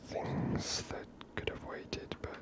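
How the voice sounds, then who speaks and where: A host giving soft, relaxed, whispered commentary over a video game, chatty and unhurried. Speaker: ASMR gaming channel host.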